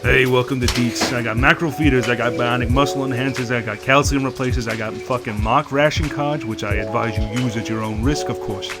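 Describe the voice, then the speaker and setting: A man playing a gruff, foul-mouthed black-market implant dealer in a sci-fi audio drama, brash and hard-bargaining. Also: medium pitch, steady tone, a little fast, few pauses, loud music behind the voice, lightly acted. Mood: brash sales patter.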